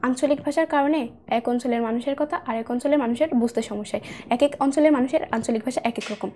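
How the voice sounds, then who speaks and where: A woman's voice: sits high, mellow. A young woman with a standard Bangladeshi Bengali accent, teaching a school lesson and patiently repeating her points. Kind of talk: classroom lesson narration. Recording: faint background noise with clicks.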